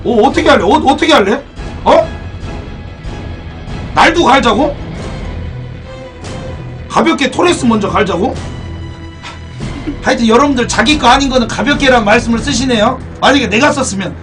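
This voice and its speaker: A young man live-streaming a game, excitable and profane, thanking donors as he plays. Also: extremely high pitch, normal speed, long pauses. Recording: distant mic, background music.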